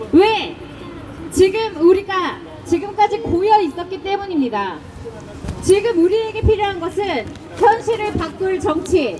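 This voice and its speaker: Amid crowd noise and audible room echo, a woman with an extremely high pitch and ordinary pitch variation speaks at a fairly slow pace with long, frequent pauses. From South Korea, Daegu. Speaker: politician, party list candidate. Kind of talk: campaign rally speech. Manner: formal.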